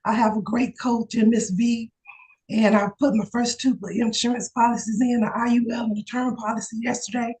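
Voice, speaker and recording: Hoarse woman, slightly higher pitch, eager testimonial on a video call. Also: moderate pace, low-quality recording. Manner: excited, testimonial chat with laughs. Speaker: insurance agent. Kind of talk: casual video call chat.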